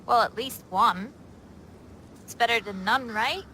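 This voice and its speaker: A woman's voice: on the high side, unhurried, bright, forceful tone, slight background noise. A woman speaking casually in character as a player in a tabletop roleplay session.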